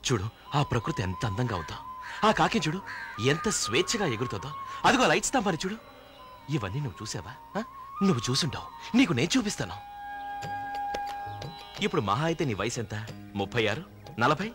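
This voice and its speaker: A man's voice: sing-song, a little fast, long pauses, close to an everyday voice. An actor in a film playing a brash young man who lectures and taunts a woman in a preachy way. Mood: mocking. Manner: taunting, preachy, sweeping swings in pitch. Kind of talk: film dialogue. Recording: movie soundtrack with music behind.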